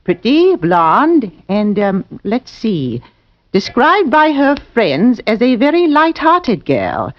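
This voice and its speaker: A fretful middle-aged housewife with a lilt. Her voice leaps up and down in pitch as she frets over money and danger. The sound is dry and dull, like a 1940s broadcast. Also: huge pitch swings, no room sound, full character voice. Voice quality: emotional, quick to fret. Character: worried middle-aged London housewife, thrifty and anxious. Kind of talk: 1940s radio acting. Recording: dull old radio broadcast.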